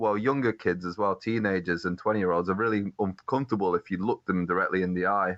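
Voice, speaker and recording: A man with a British accent, fairly quick, bright and sharp in tone, with ordinary pitch variation and a dry, close sound with no echo against a quiet background. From UK. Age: 30s. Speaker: film director. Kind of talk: interview.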